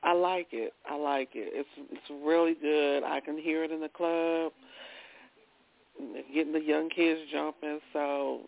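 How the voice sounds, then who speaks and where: A caller on a radio show giving a short, hesitant opinion with fillers. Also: female voice, deep voice, steady tone, unhurried, creaky, narrow, tinny audio. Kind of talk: casual call-in chat.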